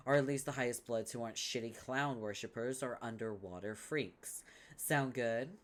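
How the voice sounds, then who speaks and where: A man's voice: mid-range voice, moderate pace, lightly acted. A man voicing a smug, scheming young female troll with a brash, sarcastic delivery.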